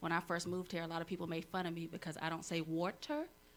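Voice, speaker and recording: With an American accent, a woman speaks very fast at a fairly low pitch. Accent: slight southern twang, DC-area dialect. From Maryland, Prince George's County (DC area). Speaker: radio talk show host. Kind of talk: casual chat.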